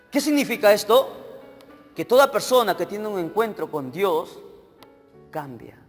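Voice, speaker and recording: A man with a high voice preaches a sermon in a church hall, with a long reverb trailing his words. He keeps asking his listeners questions and checking that they are with him, while faint music plays underneath. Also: fairly bright tone. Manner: questions the congregation directly, checking they follow. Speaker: evangelist preacher.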